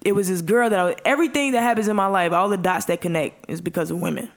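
A woman's voice: mid-range voice, quick pace. A woman from Chicago, telling personal stories casually in a candid, emphatic, slangy way. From Chicago, United States. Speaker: podcast guest.

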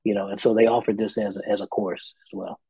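A middle-aged man from Indiana, a singer being interviewed, talking in a relaxed, reflective way with many fillers. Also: lowish voice, fast talker, husky, no room sound, poor audio. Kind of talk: casual interview chat.

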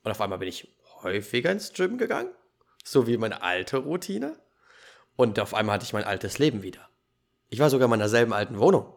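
A man hosting a podcast, telling his own story in a lively, casual way with youthful slang. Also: lowish voice, a little fast, creaky. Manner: animated storytelling, laughs easily, youthful slang. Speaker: podcast host.

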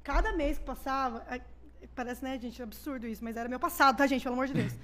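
A woman's voice: high-pitched, quick pace. A woman pastor with a Brazilian Portuguese accent tells her personal testimony as a podcast guest, acting out the dialogue she quotes. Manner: animated storyteller who acts out quoted dialogue.

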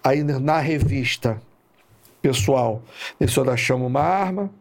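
A male police inspector from Rio casually telling a work story, animated and acting out the shouts he quotes. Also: medium pitch, unhurried.

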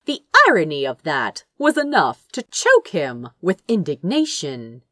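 A woman's voice: sits low, wildly swooping pitch, measured pace, pushed and bright, no echo, clean studio sound. A woman reading a fantasy story aloud as narrator, with theatrical, suspenseful delivery. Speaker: fan fiction narrator.

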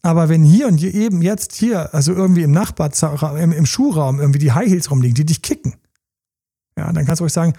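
A man coaching on intimacy in a relaxed advice talk. His voice is gravelly, dark and husky, pitched a bit above the usual male range. He hammers home points through repetition and slips into animated little scenes of dialogue. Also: quick pace. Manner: emphatic, repeats key phrases; acts out quoted dialogue in lively voices. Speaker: sex coach.

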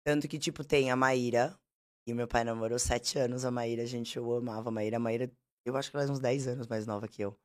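Fast-talking blunt Brazilian woman. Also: extremely low pitch. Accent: Brazilian Portuguese. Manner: blunt, animated, slangy. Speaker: podcast guest. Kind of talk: casual storytelling.

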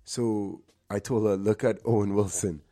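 A man's voice: on the low side, fairly even intonation, unhurried, mellow, soft background music. A man hosting a podcast, talking in an earnest, motivational way. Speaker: podcast host. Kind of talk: casual podcast talk.

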